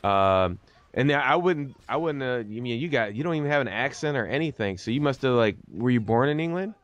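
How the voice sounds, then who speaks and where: A man's voice: medium pitch, expressive, fairly quick, lo-fi sound. A man hosting a gaming video in a casual, rambling interview style, using a lot of slang. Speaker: host of a gaming video series. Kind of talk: casual interview over game commentary.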